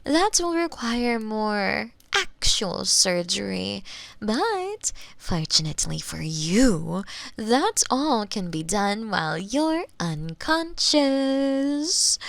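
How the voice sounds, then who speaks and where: A woman's voice: mid-range voice, no room sound, exaggerated voice. A woman playing a gleeful, coolly clinical female mad scientist in a scripted ASMR roleplay, musing with relish close to a binaural microphone. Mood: clinical, reassuring. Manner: unhurried, musing, relishing, with soft breathy hums and sighs. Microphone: close binaural microphone, dry.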